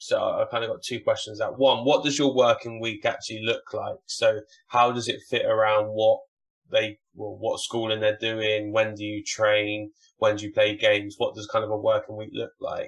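At a moderate pace, a man is speaking. His loudness swings widely. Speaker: podcast host. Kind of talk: casual interview.

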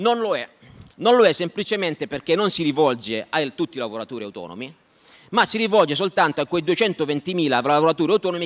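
Fairly high for a man, his voice moves at a fairly quick pace with lively intonation. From Apulia, Barletta; Apulia. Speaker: lawyer and activist; lawyer. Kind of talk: speech at political event. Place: garden. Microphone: podium.

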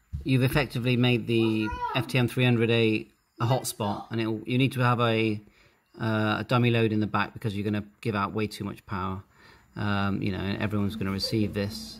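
A man speaks with a fairly low pitch and a fairly even intonation. Noticeable background noise sits behind him. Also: moderate pace. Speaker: amateur radio operator. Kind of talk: tutorial. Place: home room. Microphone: phone near.

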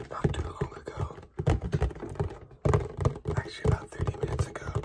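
A man whispers at a fairly quick pace. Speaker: vlogger. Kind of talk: casual vlog chat. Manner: soft, close-up ASMR speaking voice. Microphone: phone near.

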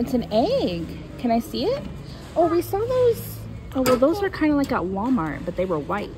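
The background carries noticeable noise. The speech moves along at a moderate pace. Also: woman. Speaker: shopping vlogger. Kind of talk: casual vlog chat. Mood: cheerful, cooing over cute items. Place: shop. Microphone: phone near.

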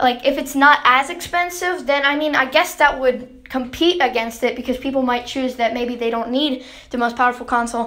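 Amid noticeable background noise, a woman with a high pitch speaks at a moderate pace with fairly even intonation. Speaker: gaming YouTuber. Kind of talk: casual talk to camera.

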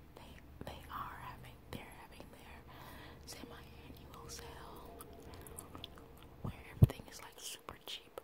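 The speech moves at a very slow pace. Loud background noise fills the recording. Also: woman. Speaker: ASMR haul vlogger. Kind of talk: ASMR haul video, casual talk to camera. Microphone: phone near.

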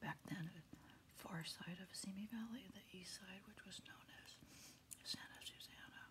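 Someone is whispering. The pace is moderate. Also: woman. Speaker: vlogger. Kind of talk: casual vlog chat, mukbang-style storytelling. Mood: relaxed nostalgic. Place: home room. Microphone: phone near.

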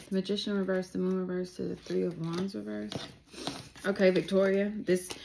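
A woman speaks at a very fast pace against light background noise. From US South. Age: 30s. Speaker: tarot reader. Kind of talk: tarot reading. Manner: casual, rambling. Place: home room. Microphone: phone near.

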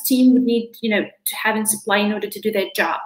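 A woman is heard with audible room echo over a quiet background. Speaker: localization specialist. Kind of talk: webinar presentation with slides. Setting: video call. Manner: friendly, conversational, hesitant with fillers.

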